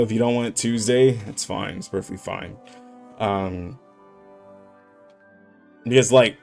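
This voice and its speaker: A male gaming streamer chats on a live stream at home, slangy and animated, leaning on filler words and breaking into laughs. His voice sits at a middle pitch. Faint game music runs behind him. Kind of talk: casual livestream chat.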